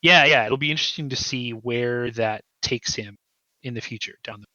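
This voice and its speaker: A man speaking as a podcast guest, discussing fiction in a reflective, analytical way with deliberate emphasis. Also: mid-range voice, pushed and bright, no echo, dull audio.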